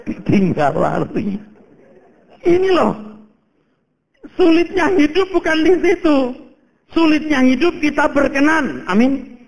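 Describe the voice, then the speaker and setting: Gravelly pastor in his fifties preaching. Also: extremely high pitch, a little slow, long pauses, low-quality recording. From Indonesia. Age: 50s. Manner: animated storytelling, shifts between loud exclaims and hushed prayer; casual colloquial, addresses congregation as saudara. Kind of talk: sermon.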